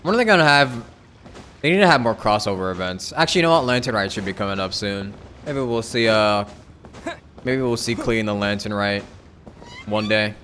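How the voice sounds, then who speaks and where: Casual low-voiced man livestreaming a game. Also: lively intonation, fairly quick, fairly bright tone, a little hiss or hum. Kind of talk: casual gameplay commentary and chat reading. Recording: game music behind the voice.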